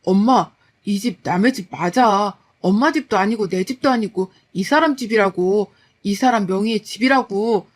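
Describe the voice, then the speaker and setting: A woman voicing an exasperated grown son who shouts at his mother. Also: medium pitch, moderate pace, lightly acted.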